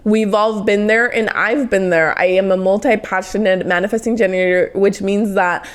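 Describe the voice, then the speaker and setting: A woman's voice: medium pitch, fairly even intonation, normal speed. Earnest young Mexican-accented woman podcaster. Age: 20s. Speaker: podcast host. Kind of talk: motivational solo podcast talk.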